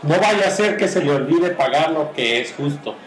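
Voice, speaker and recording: A man with a Mexican accent playing a righteous, fussy, over-polite gentleman in an old-fashioned radio play. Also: on the high side, lively intonation, normal speed, lightly acted. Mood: offended, scolding. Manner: pompous, formal, over-polite diction. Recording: roomy, noisy ambience with crowd behind.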